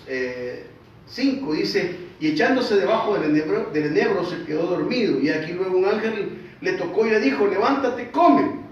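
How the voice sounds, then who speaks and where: Pastor preaching in an echoey hall. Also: male voice, high voice, slight background noise. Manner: conversational preaching, asks the congregation questions. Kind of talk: sermon. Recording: distant echoey hall, dull sound.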